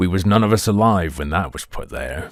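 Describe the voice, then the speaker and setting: In a put-on character voice with a Suffolk accent, a man speaks at a fairly low pitch and a fairly quick pace, showing ordinary pitch variation and big swings in loudness. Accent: Suffolk rural dialect. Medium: read story. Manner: easygoing, folksy.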